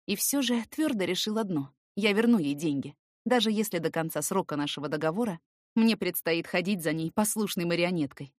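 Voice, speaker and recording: A woman's voice: lowish voice, expressive, fairly quick, no room sound. Woman narrating an audiobook, very dry sound. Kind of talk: expressive scripted first-person story narration.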